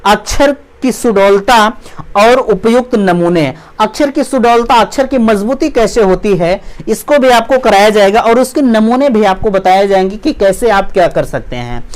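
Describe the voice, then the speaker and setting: A young man teaching an online exam-prep lecture. He asks rhetorical questions, repeats his points and reads list items out slowly. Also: high voice, expressive. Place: teaching room with a marker board.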